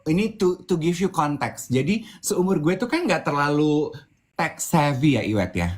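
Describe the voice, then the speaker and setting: A man co-hosting a casual chat, telling a story with animated delivery, mixing English phrases into his talk and acting out the voices of the people in it. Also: on the high side, normal speed. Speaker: co-host.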